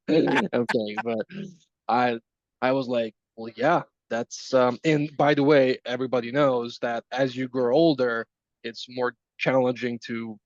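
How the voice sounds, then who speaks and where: A man's voice: mid-range voice, fairly even intonation, no echo. A young man in his twenties talks casually, teasing and chatty, often restarting his sentences. His sound is dull and lo-fi, and the room is dry. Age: 20s. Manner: teasing, chatty, halting starts. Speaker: group participant. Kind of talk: casual chat.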